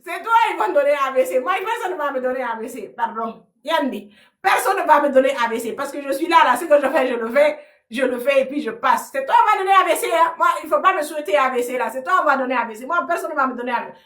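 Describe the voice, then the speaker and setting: Animated high-voiced woman streaming live. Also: quick pace, distant mic. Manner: animated, teasing, laughing, shifting between French and local words. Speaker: live streamer answering viewers. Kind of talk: casual live-stream chat. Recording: echoey room, off-mic.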